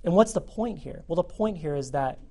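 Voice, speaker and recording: A man preaching a sermon to students as their youth pastor, animated and repeating phrases for emphasis. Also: fairly high pitch, fairly quick, gravelly.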